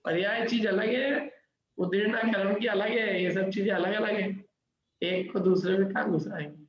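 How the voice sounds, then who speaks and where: Middle-aged male teacher, fairly high voice, echoey lo-fi room sound, walks the class through it. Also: moderate pace. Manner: explains step by step, asks the class questions. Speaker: Jain scripture teacher. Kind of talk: interactive scripture class. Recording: very echoey, dull lo-fi room recording.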